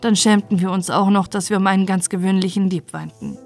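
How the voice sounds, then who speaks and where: A woman storyteller narrating a bedtime story in a calm, gentle way. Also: medium pitch, brisk, soft background music.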